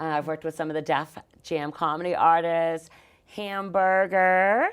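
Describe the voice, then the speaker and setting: With a Massachusetts accent, a woman speaks at a moderate pace, her pitch fairly low and her intonation fairly even. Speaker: stand-up comedian. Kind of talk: interview.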